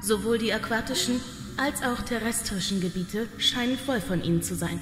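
A woman acts as a machine scout unit in a sci-fi radio play. The voice is female and fairly high, reporting formally and factually. It rings with reverb over clear music. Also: normal speed, lightly acted. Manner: formal, matter-of-fact, clipped military-style reporting. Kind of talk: science fiction radio play acting.

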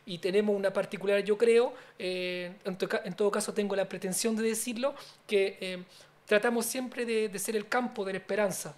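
A middle-aged man, born in Chile and raised in France, speaking as a politician guest in a studio interview, earnest and explanatory with many fillers and restarts, into a boom-mounted studio mic. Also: fairly even intonation, moderate pace. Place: small TV-radio studio. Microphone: studio mic on boom arm.

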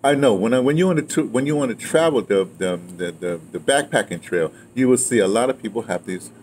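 An audio drama veteran in his seventies talks fairly quickly in a mid-range, slightly mellow voice, animated as he reminisces. The interview is casual, and he repeats phrases through his stories. It takes place outdoors on a patio or yard, with clearly noisy ambience.

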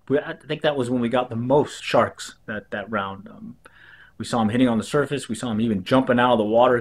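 Middle-aged American male, mid-pitched voice, easygoing vlog host giving a casual recap of tips to camera. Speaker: host of a fishing video channel. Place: small indoor home office.

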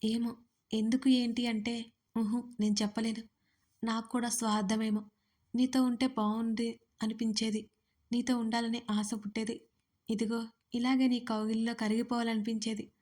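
A woman voicing a shy, tearful young woman in love in an audio story, confessing softly and hushed. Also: on the high side, little pitch movement, moderate pace, natural voice. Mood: tender.

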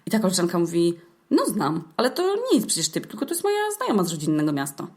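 A woman's voice: on the low side, wildly swooping pitch, quick pace, a little mellow. A young woman hosting a podcast, telling a story casually in slangy, hesitant speech with swearing and many filler sounds. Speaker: podcast host.

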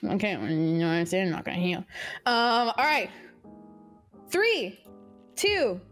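A woman's voice: medium pitch, very animated, a little slow, fairly bright tone, soft background music. A young woman from Texas playing as a guest in a gaming video at her desk mic, teasing, giggling and counting down rounds. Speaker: guest player. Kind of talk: playful gaming banter. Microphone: webcam and desk mic.

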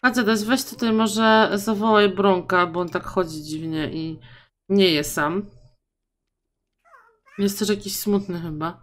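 A young woman casually commenting on her life-simulation game, chatting to her sims and her viewers and going high and loud when surprised. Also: steady tone, measured pace, long pauses. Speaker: gaming YouTuber. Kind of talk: casual let's-play commentary.

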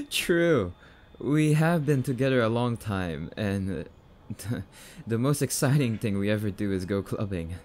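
A man's voice: mid-range voice, huge pitch swings, slow, a little mellow, full character voice. A young man playing a jumpy, bashful catboy boyfriend in an ASMR roleplay, stammering and hesitant, bratty but sweet. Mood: soft, tender.

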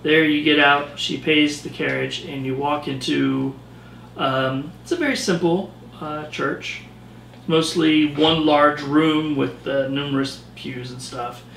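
A man's voice: on the high side, fairly even intonation, slow pace, creaky, a bit bright, a little hiss or hum. Male game master, loose scene-setting with fillers; mic sits well back from him. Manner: loose descriptive narration with many fillers. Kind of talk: narrating a tabletop game. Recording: roomy distant recording.

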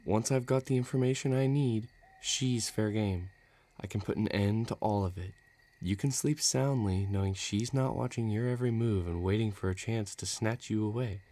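A man's voice: on the low side, normal speed, mellow, natural voice. A man playing a cocky, menacing villain in a romantic audio roleplay, taunting and self-assured. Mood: coaxing, menacing. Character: cocky, menacing male villain, playful but threatening.

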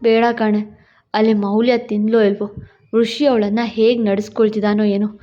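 A woman's voice: mid-range voice, little pitch movement, moderate pace, highs cut off, pitched below the performer's own voice, natural voice. A woman voicing a worried, tearful older mother in a storybook drama, speaking in a pleading, sorrowful way.

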